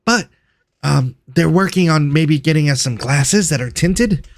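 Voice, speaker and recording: A man's voice: fairly high pitch, lively intonation, unhurried, vocal fry. A man voicing a chatty clawed creature who works hard at a resort, in a hesitant, gossipy, rambling manner for a tabletop game. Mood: chatty, earnest. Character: chatty clawed cave-loving resort worker, friendly and overworked.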